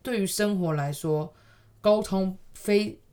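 A woman's voice: medium pitch, takes it slowly, dark tone. A woman with a Taiwanese accent giving casual conversational advice in an explanatory, emphatic way, often repeating phrases for emphasis.

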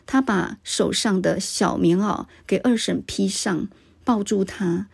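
A woman's voice: medium pitch, slow pace, gravelly, husky. A woman hosting a literature podcast, retelling a story and commenting on it in a chatty way, adding little particles. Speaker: podcast host discussing literature.

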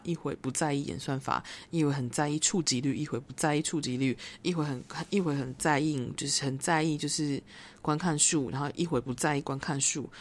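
Low-voiced Taiwanese woman musing aloud. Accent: Taiwanese Mandarin. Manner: reflective and rambling, slips into English phrases. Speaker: podcast host. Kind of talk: casual solo podcast monologue.

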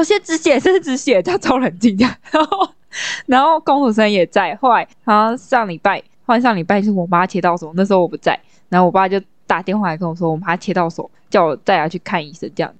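Young female podcast co-host, brisk, lively storyteller, dry close recording. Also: medium pitch, no echo. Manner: animated storytelling, acts out family members' voices. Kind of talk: casual chat.

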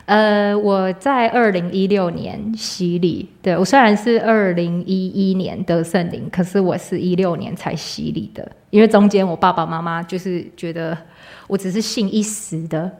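A woman's voice: on the low side, darkish tone. Taiwanese woman telling a testimony. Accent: Taiwanese Mandarin. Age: 30s. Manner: conversational storytelling, filler "dui" and pauses. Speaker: church member giving testimony. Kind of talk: personal testimony.

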